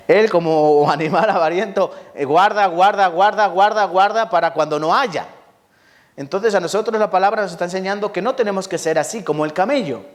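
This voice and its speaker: A man from Spain with a Spanish accent, preaching a lively Sunday sermon in church, repeating words for emphasis and often asking the congregation questions. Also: on the high side. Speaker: pastor.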